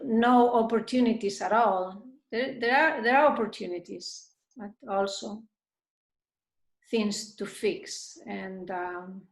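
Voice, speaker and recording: Hesitant woman, roomy sound. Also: medium pitch. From Spain. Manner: thoughtful, hesitant, many restarts. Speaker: dharma talk speaker. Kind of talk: group discussion answer. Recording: roomy echo.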